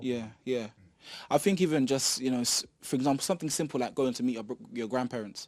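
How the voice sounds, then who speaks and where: A man with a South London accent talks at a very fast pace in a medium pitch. The recording is very clean, with a silent background. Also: ordinary pitch variation. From Croydon, South London. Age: 20s. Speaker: poet and public speaker. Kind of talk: podcast conversation.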